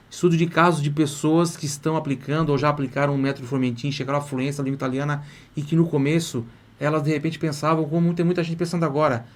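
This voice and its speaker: Fast-talking enthusiastic Brazilian teacher. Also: male voice, fairly high pitch. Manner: enthusiastic, coaxing, checks in with the audience often. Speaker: language teacher and course host. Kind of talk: live online class.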